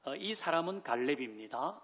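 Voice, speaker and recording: A man's voice: on the high side, big pitch swings, moderate pace, a bit bright. A man preaching a Sunday sermon as pastor, who asks the congregation questions, leads them in reading scripture and drops in light joking asides. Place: church sanctuary.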